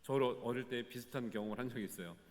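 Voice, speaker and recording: A male pastor preaching a sermon to his congregation, full of sudden loud rises and soft drops and direct questions to the listeners. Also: mid-range voice, quick pace. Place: church sanctuary. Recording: long church hall reverb.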